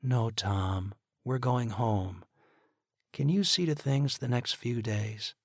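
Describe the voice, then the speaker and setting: A man's voice: medium pitch, takes it slowly, no room sound, studio quality, voice pushed up. A man voicing an earnest woman nurse who talks in an urgent, pleading way.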